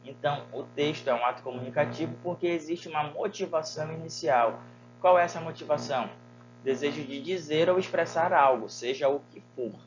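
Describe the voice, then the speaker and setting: A man's voice: a little high, brisk, dull audio, music in the background. A man teaching a Portuguese lesson, asking his students rhetorical questions and using many fillers. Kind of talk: recorded online lesson.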